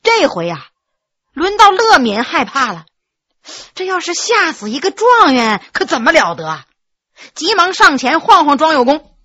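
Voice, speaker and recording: Woman telling a story, lively bright voice, super dry close recording. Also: high voice, moderate pace, no echo, lo-fi sound. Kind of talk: scripted story narration.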